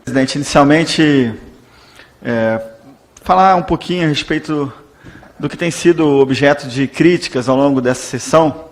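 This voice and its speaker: A man's voice: fairly high pitch, moderate pace. A Brazilian Portuguese-speaking man, a legislator, giving a formal, deferential speech in a parliamentary session. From Brazil, born in Salvador.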